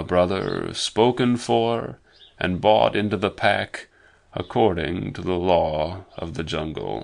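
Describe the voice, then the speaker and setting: At a fairly slow pace, a man uses a put-on character voice pitched very deep and low. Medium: read story. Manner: dignified, grave.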